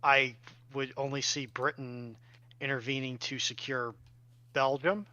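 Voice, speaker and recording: A man's voice: mid-range voice, level tone, unhurried, bright, forceful tone, no echo, highs cut off. A man chatting casually on a panel as a self-described layman, somewhat hesitant and self-deprecating. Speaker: panelist giving layman's takes. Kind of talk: casual chat.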